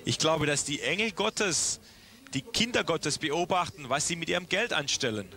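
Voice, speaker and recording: A man interpreting a sermon phrase by phrase, speaking in quick bursts with frequent restarts. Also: fairly high pitch, expressive, bright, forceful tone.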